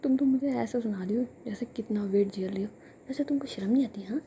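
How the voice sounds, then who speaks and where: A woman's voice: a little high, quick pace, a little hiss or hum, natural voice. Jiya, a sulky playful young woman, whispered by a woman. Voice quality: soft whisper. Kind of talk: whispered storytelling.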